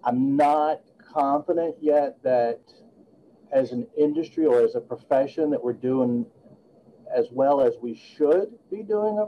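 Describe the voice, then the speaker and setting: A man's voice: mid-range voice, measured pace, highs cut off, slight background noise. A man in his late fifties, a guest attorney talking earnestly and reflectively in a podcast interview. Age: 50s.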